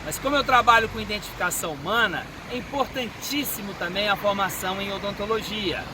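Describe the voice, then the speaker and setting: A Brazilian man in his fifties, a forensic medical examiner, answering interview questions in a measured, teaching manner. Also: high-pitched. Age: 50s. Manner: measured, didactic. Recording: street and car noise behind.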